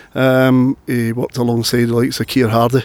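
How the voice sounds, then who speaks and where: A man with a Glaswegian accent talks at a moderate pace and medium pitch. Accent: Glaswegian Scottish. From Glasgow, Scotland. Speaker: Glasgow native of Irish ancestry. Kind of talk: casual interview.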